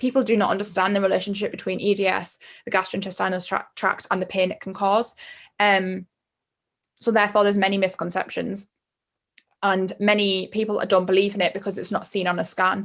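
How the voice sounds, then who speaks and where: Fairly quick, flat, monotone speech from a woman at medium pitch with a Northeast English accent, over a quiet background. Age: 20s. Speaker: paediatric nurse. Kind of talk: personal testimony to camera. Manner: hesitant, many fillers.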